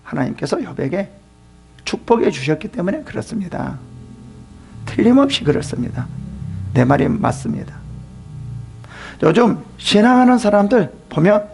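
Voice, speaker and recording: A man's voice: high-pitched, very animated, normal speed, creaky, long pauses, a little mellow, soft background music. A middle-aged male pastor who preaches a sermon emphatically and uses rhetorical questions.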